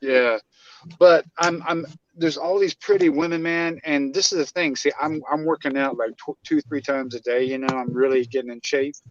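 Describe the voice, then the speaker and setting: A man's voice: on the high side, steady tone, moderate pace, lo-fi sound, a little hiss or hum. Stammering man in his forties. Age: 40s. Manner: rambling, stammering restarts. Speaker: caller. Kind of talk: casual group call.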